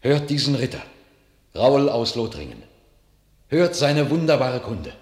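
An actor playing an excited knight bearing great news in a classical verse radio drama, declaiming urgently and emphatically. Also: male voice, medium pitch, unhurried, roomy sound. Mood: jubilant, urgent.

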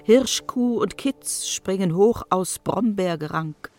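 A woman playing a visionary narrator of a mythic landscape, reciting poetry in a measured, evocative way for a radio play. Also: medium pitch, a little mellow, faint music behind, close to an everyday voice. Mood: hushed wonder.

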